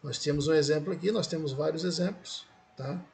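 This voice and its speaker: A fairly high-voiced Brazilian man teaching English grammar. He talks patiently and keeps checking whether his students follow. His tone is that of a recorded classroom explanation. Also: a little fast, gravelly, darkish tone. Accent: Brazilian Portuguese. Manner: patient, repeats "certo?" and "ó" to check understanding.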